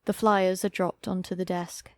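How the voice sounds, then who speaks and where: A woman's voice: lowish voice, level tone, moderate pace, dry recording, studio quality, lightly acted. A woman acting as the narrator of an audio drama, reading stage directions in a plain, matter-of-fact way. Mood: neutral. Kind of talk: scripted narration.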